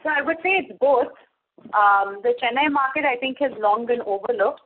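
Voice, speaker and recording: A woman with an Indian accent answering as a company executive on an earnings call, measured and business-like. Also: high-pitched, animated, slight background noise. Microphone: telephone conference call. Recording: tinny, narrow phone line.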